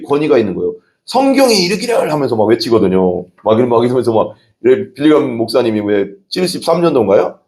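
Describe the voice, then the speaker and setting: A man's voice: medium pitch, a little mellow. A male pastor preaches in a chatty, direct way, often asking his listeners questions and answering them himself. His voice sits in a middle register but rises and falls widely, jumping up for sudden emphatic exclamations. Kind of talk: sermon.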